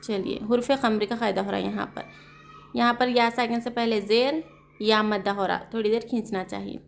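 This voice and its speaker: A woman Quran reading teacher with a South Asian Urdu-Hindi accent, slowly spelling out letters and vowel marks and explaining the rules with questions. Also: fairly high pitch, steady tone, creaky. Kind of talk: slow spelled-out recitation lesson.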